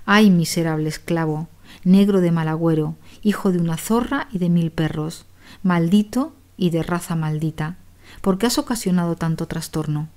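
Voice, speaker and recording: A woman's voice: on the low side, normal speed, dark tone, natural voice. A woman voicing an older merchant who curses and threatens his slave in an audiobook tale. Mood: furious. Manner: cursing, threatening. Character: furious rich merchant master, older man.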